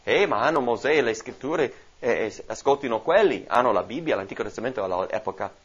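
Man doing calm old patriarch Abraham. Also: medium pitch, brisk, husky, pitched below the performer's own voice. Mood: firm. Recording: dull lo-fi recording.

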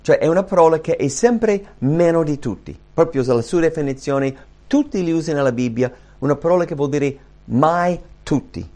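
A man's voice: fairly high pitch, animated, moderate pace, dark tone. A man preaching a sermon, explaining a point in an earnest, teaching manner and pressing hard on key phrases.

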